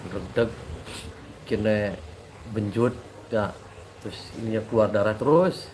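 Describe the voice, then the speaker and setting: A man with a Cirebon accent and a blocked, nasal voice, hoarse from a cold, talking in a rambling, repetitive, joking way to his subscribers. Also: on the low side, background noise. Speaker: religious teacher and channel host. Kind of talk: casual talk to subscribers with sung prayers.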